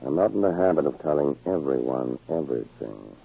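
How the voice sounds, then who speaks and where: An actor playing a smug, cold-blooded, controlling spy villain in a 1940s radio drama, with a gruff, rough voice. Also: male voice, extremely low pitch, expressive, brisk, warm tone, heavily acted. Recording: scratchy, narrow-band 1940s radio recording.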